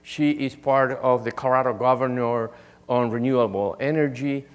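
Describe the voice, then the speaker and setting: A man's voice: mid-range voice, fairly even intonation, moderate pace, smooth. A man gives an earnest, repetitive introduction of the evening's guest speaker, full of fillers. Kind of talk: formal introduction. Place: lecture hall. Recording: long reverb of a lecture hall.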